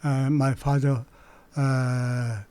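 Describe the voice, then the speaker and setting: Slow, halting older Korean man. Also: medium pitch, level tone, warm tone, clean tone, no room sound. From Manchuria. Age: 80s. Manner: halting, with frequent pauses and fillers. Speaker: interview guest. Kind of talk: unscripted life-story interview.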